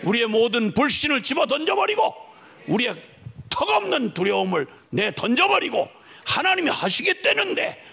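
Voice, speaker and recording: A middle-aged male missionary preacher with a high, lively voice that climbs into fervent cries. His tone is gravelly and husky. He speaks at a church worship service and leads the congregation in shouted proclamations. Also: normal speed. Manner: rising fervent cries, playful asides. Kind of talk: sermon.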